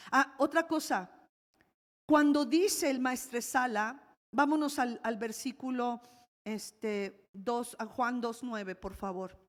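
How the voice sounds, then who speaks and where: A woman pastor with a Mexican accent preaching a sermon, lively, with laughing asides and sudden exclamations. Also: a little high. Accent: Mexican Spanish. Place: church hall. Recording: long hall reverb.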